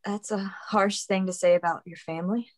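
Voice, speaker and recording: A woman's voice: medium pitch, steady tone, normal speed, natural voice. Frank, teasing young small-town woman, played by an actress. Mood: curious, frank. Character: plain-spoken, teasing young coal-town woman, loyal daughter. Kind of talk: dramatic table read.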